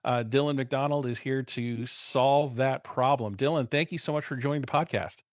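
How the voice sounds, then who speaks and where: Halting podcast host, dry sound. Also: male voice, medium pitch, no echo. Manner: loose, halting, lots of restarts. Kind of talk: podcast interview hosting.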